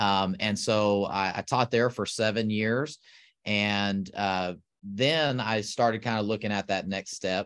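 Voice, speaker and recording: In an American accent, a man speaks with an unremarkable speaking voice at a fairly low pitch. His pace is fairly slow and his intonation fairly even. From South Texas. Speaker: elementary school principal. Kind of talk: interview.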